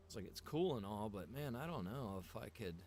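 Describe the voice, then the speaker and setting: A man's voice: lowish voice, fairly quick, slight background noise. A man streaming a survival game, chatting casually and rambling to his viewers while he plays. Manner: relaxed, rambling, greets chat viewers by name.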